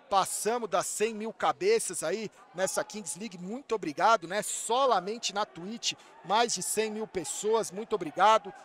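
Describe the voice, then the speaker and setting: A man with a Brazilian Portuguese accent streaming a live football watch-along, excitable, shouting at the players and swearing, then talking to his chat in between. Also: high voice. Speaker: streamer reacting to a football match.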